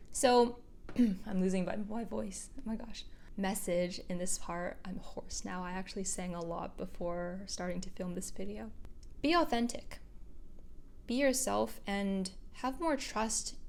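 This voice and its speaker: Earnest, upbeat young woman vlogger. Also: lowish voice. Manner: earnest and upbeat, often laughing softly. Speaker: video creator. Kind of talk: reflective motivational vlog monologue.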